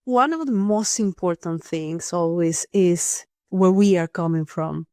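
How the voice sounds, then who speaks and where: A woman's voice: lowish voice, measured pace, a little mellow, dry recording, studio quality. Earnest woman host, nonnative phrasing. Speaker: podcast host, here the guest. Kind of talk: reflective personal storytelling.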